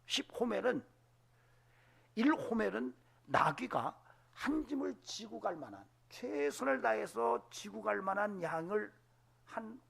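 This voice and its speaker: A man preaching a Sunday sermon, animated, acting out voices and dropping to whispers. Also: sits high, a little slow, creaky, breathy edge. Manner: animated, acts out voices in quotes, drops to whispers. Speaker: pastor. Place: church sanctuary.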